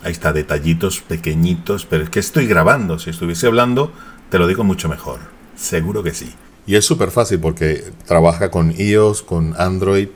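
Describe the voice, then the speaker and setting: A man hosting a video, chatting casually and quickly while demoing an app, laughing now and then. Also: deep voice. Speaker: tech YouTuber. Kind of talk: casual sponsored app demo.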